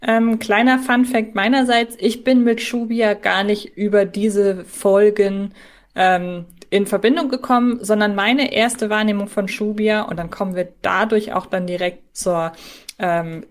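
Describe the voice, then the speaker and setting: Casting: female co-host with an average-pitched voice, informal and reflective, thinking aloud in a fan discussion. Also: unhurried. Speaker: podcast co-host.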